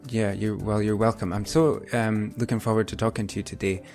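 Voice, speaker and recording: A man's voice: on the low side, flat delivery, fairly quick, darkish tone, faint music behind. A man hosting a podcast, enthusiastic, with fillers and some hesitation. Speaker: podcast host. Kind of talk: podcast intro and interviewing.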